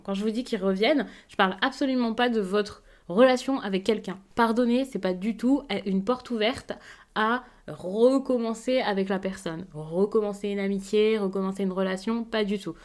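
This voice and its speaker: A woman giving a tarot reading to camera, gentle and reassuring, often pausing with hesitant fillers. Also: medium pitch. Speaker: tarot card reader.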